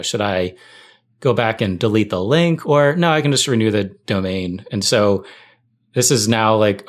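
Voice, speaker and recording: A man telling anecdotes casually as a guest on a podcast. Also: fairly low pitch. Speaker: podcast guest, tech writer.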